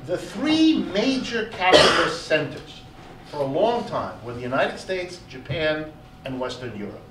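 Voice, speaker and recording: A man giving an emphatic, animated economics lecture to a room, often repeating words for stress. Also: a little high, a little slow, very noisy. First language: German. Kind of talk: public lecture. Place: lecture hall. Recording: echoey hall, recorded from far off.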